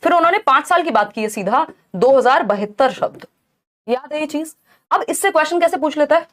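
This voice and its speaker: A young woman with a high, light voice teaches an exam-prep class online. She explains each point step by step and keeps pausing to check that her listeners are following. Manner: explanatory, checks in often with "thik hai". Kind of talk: online lecture.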